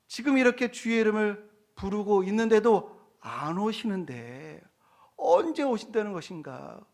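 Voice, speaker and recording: A man's voice: a little high, natural voice. A man preaching who voices mocking scoffers with scornful, sneering rhetorical questions. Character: mocking male scoffers jeering at believers.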